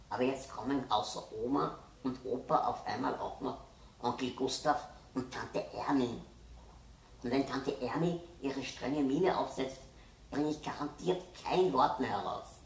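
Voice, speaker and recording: A woman's voice: extremely low pitch, pitched above the performer's own voice. A woman voicing an anxious, stubborn young boy who pleads and snaps in a storybook reading. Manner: pleading, turns to angry shouting. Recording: roomy, distant mic, faint hiss.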